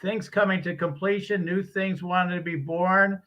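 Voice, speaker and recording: A man's voice: high voice, fairly even intonation, normal speed, highs cut off. A middle-aged man, a business coach and guest, talking earnestly and upbeat about spiritual ideas. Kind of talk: casual interview talk.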